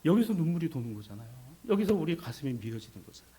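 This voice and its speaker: A middle-aged male pastor delivering a sermon, dropping to a hush and then rising to loud rhetorical questions. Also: on the high side, very animated, racing, husky. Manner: dramatic swings from hushed to loud, rhetorical questions.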